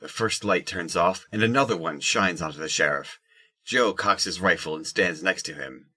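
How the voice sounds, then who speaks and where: A man's voice: low-pitched, moderate pace, sharp tone, breathy edge, no room sound. A man narrating a scripted audio drama.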